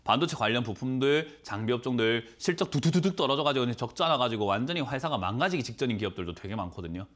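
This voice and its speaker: Fast, lively man advising on stocks. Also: medium pitch. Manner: quick, rhetorical questioning, lively. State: has a cold. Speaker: stock market mentor. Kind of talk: financial advice call-in show. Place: TV studio.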